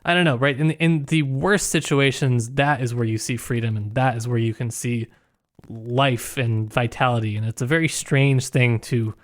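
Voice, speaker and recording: A man co-hosting a casual literary discussion, talking in a halting way as he searches for his words. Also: medium pitch, steady tone. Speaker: podcast co-host.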